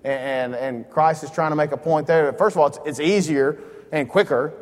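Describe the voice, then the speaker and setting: Guy teaching bible study, earnest, kinda thinks out loud, big reverby hall sound. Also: fairly high pitch, moderate pace. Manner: earnest, conversational, thinks aloud.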